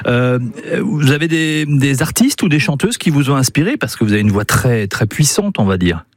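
A man's voice: mid-range voice, very animated, normal speed. A man hosting a local radio interview, asking questions and giving short backchannels.

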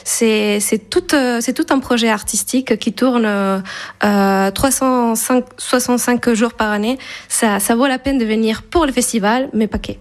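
A woman's voice: on the high side, measured pace. A woman from Spain in her thirties with a Spanish accent, answering radio interview questions with many fillers and restarts. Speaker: festival staff guest.

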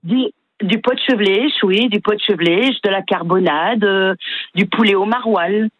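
An older woman from northern France with a northern French accent, calling in to a radio show, friendly and hesitant with many pauses. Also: medium pitch, dry recording, narrow, tinny audio. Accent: northern French (Flemish area). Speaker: caller.

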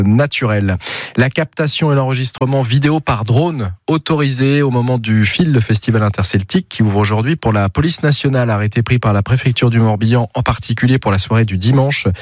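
A man's voice: medium pitch, no echo. A male radio news presenter with a mid-range voice reads a bulletin. He allows himself informal asides, and the studio sound is close and dry.

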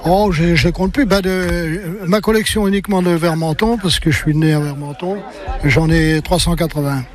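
An older man, a postcard collector, answering in a halting, hesitant way at a flea market stall. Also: a little high, steady tone. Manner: hesitant, halting, full of fillers.

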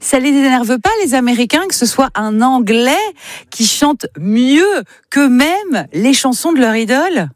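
A bright, enthusiastic woman hosting a live interview in a studio. She sits fairly high in her voice and sounds close and dry, with no room around her. She laughs easily and keeps things moving. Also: animated, measured pace, dry recording. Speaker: radio host.

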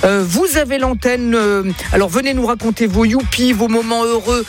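A man hosting a radio show with lively patter, exclaiming and repeating phrases for emphasis. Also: very high voice, moderate pace, soft background music. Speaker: radio host.

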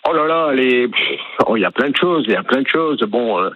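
A man in his sixties from northern France, a game show contestant who talks hesitantly, with many pauses and repeats. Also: mid-range voice, expressive, no room sound, phone-quality sound. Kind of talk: casual chat.

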